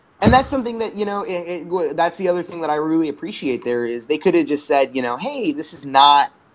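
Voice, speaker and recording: With hardly any pauses, a man rushes along at a very fast pace and a high pitch over noticeable background noise. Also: lively intonation. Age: 20s. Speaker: video game community manager. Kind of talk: podcast interview. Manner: animated; halting, many repeated words.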